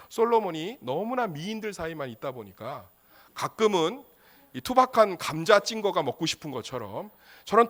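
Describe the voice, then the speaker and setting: A man's voice: high-pitched, fairly bright tone. A male pastor preaching a sermon, emphatic and humorous, full of rhetorical questions.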